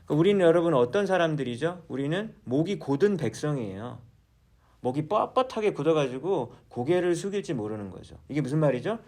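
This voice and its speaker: Lively high-voiced male pastor. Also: brisk. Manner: asks the congregation questions, then answers them. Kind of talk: sermon. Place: church.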